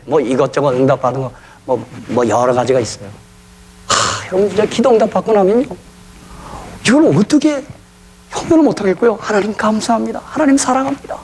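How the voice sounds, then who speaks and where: A man's voice: sits high, darkish tone. A man preaching a sermon as pastor in a church, telling stories animatedly and getting the congregation to repeat after him.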